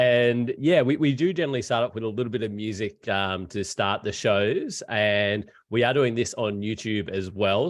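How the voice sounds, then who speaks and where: With hardly any pauses, a man talks at a fairly low pitch with ordinary pitch variation. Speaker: podcast host. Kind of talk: casual chat. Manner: fast.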